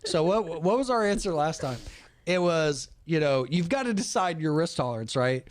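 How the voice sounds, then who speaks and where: A man's voice: fairly high pitch, moderate pace. A man hosting a casual money podcast, joking and putting questions to his co-hosts. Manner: relaxed, joking, asks questions. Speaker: podcast host.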